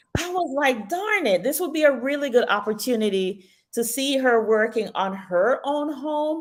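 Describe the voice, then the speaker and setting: A woman's high, animated voice in a Jamaican accent, moderately paced with hardly any pauses and very wide pitch swings. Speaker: talk show co-host. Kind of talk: casual chat about a TV show. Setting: live stream.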